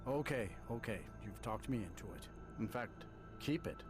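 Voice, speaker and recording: A man's voice: mid-range voice, animated, moderate pace, music in the background, natural voice. A man playing a sheepish, hapless amateur wizard in a video game, speaking hesitantly and self-deprecatingly. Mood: dejected. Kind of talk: video game character dialogue.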